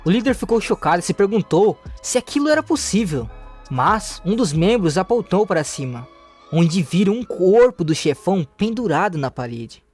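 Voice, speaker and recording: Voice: medium pitch, very animated, moderate pace, darkish tone, breathy edge, soft background music. A narrator, reading a comic story recap steadily, with small restarts. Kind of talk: recap narration, read aloud.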